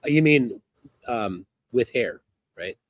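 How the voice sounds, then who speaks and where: A man hosting a casual livestream, reading chat aloud in a halting, laid-back way, speaking outdoors by the water. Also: medium pitch, expressive, no room sound, dull audio. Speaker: livestream host.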